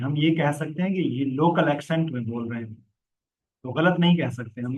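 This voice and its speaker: A man teaching a live online English class, explaining patiently and slowly modeling pronunciation of example sentences. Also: a little high, highs cut off.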